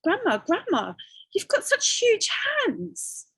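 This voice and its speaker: A woman's voice: very high-pitched, wildly swooping pitch, takes it slowly, creaky, dry recording, voice pushed up, full character voice, rough recording. A woman voicing young Little Red Riding Hood, an eager, trusting girl, in a storybook reading. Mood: astonished. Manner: bright childlike, wide-eyed tone.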